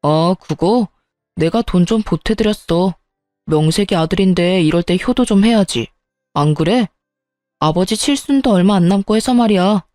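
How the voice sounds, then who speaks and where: A woman's voice: mid-range voice, moderate pace, a little mellow, dry recording, studio quality, faint music behind, close to an everyday voice. A woman reading the lines of an arrogant, belittling husband in a spoken story. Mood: smug. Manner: smug and belittling. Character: arrogant, dismissive married man. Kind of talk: storytelling with voiced dialogue.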